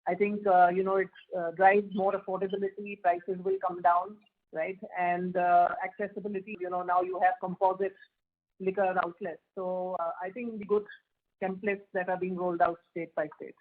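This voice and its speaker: A woman with an Indian accent answering questions as a company executive on an earnings call, in a halting, conversational way. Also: fairly low pitch, little pitch movement. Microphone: telephone. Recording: muffled narrow phone conference line.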